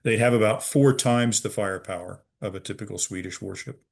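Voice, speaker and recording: A middle-aged American man from Virginia, a museum's head of research, explaining history as an interview guest over a video call, measured and pausing often with "uh". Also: lowish voice, gravelly. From Virginia, USA. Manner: measured, with frequent "uh" pauses.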